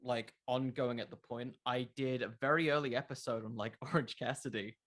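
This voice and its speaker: A man's voice: medium pitch, fairly even intonation, fairly quick, a bit bright. A man chatting casually as the guest in an interview. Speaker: podcast creator being interviewed.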